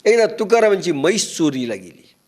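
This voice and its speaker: A man's voice: sing-song, a little fast, darkish tone. A man with a Marathi accent giving a devotional discourse, telling stories and acting out their dialogue. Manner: storytelling, acts out dialogue in low muttering voices. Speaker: spiritual discourse speaker.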